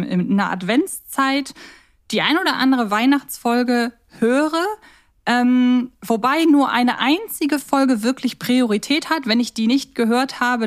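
A woman chatting casually as co-host of a fan podcast. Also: a little high.

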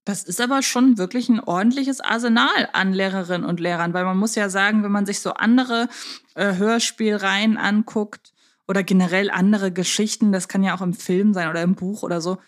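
A woman's voice: mid-range voice, fairly quick. A woman co-hosting a podcast, chatting casually and discursively, thinking aloud as she goes. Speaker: podcast co-host. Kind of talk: casual chat about audio dramas.

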